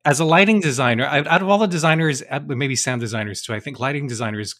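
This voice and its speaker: A man's voice: mid-range voice, fast, fairly bright tone. A man interviewing a guest, asking short conversational questions.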